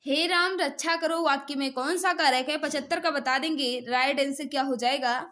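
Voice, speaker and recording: High-voiced Indian woman teaching a quiz. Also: steady tone, moderate pace, fairly bright tone. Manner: repetitive, instructional, prompting students. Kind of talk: live exam quiz lesson, reading questions and giving answers.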